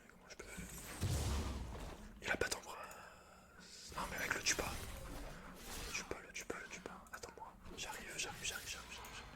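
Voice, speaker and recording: A man's voice: normal speed, long pauses. A man doing casual, slangy ASMR gaming commentary as the host, swearing now and then.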